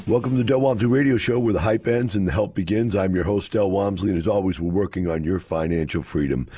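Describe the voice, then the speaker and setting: A hoarse man hosting a radio show on investing, talking casually and rambling with many fillers and restarts. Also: sits low, fast, dark tone, faint music behind. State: hoarse, scratchy voice.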